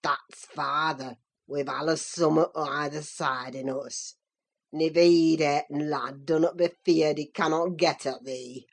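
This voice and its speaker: A woman voicing a spiteful old male farm servant with a croaking, whispery Yorkshire dialect voice. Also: deep voice, fairly even intonation, a little slow, voice pushed down. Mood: mocking. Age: older.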